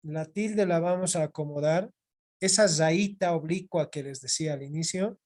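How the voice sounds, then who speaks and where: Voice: mid-range voice, moderate pace, darkish tone. Patient teacher, online class. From Bolivia. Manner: patient, repeats points, checks in with "¿ya?". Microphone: video call microphone.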